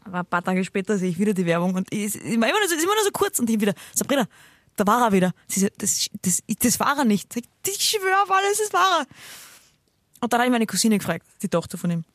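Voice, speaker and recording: A woman, co-hosting a casual chat and telling an animated, teasing story. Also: mid-range voice, racing, no room sound, clean studio sound.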